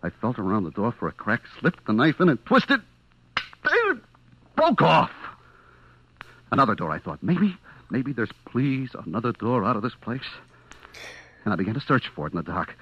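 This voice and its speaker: An actor playing a desperate supermarket clerk trapped in the dark, confessing in halting, stammering old-time radio suspense style on a vintage recording. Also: male voice, medium pitch, very animated, breathy edge, highs cut off. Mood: frantic, unhinged. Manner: breathless, halting, stammering narration with repetitions.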